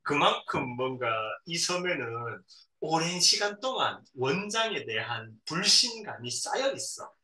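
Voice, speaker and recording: A man's voice: on the high side, big pitch swings, pushed and bright. A middle-aged man reads a novel aloud to his son. He stops often to explain words simply and acts out the quoted lines. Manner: reads a passage, then pauses to explain words simply to a child. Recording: roomy echo, a bit far from the mic, faint noise.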